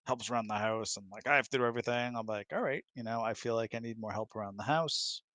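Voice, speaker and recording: A man's voice: mid-range voice, fast talker, sharp tone, no room sound. A middle-aged man in a casual relationship chat, speaking informally and often acting out imagined quotes. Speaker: guest on spouse's hangout.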